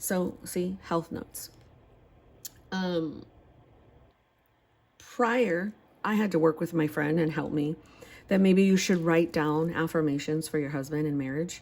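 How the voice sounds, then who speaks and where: A woman's fairly low voice at a fairly slow pace, with ordinary pitch variation and long, frequent pauses. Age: 40s. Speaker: vlogger, homeschooling parent. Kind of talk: casual vlog monologue, partly reading notes. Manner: hesitant, many fillers.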